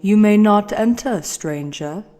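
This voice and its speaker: A man's voice: slow pace, soft background music. A man putting on a cold masked doorkeeper woman. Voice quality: deep monotone.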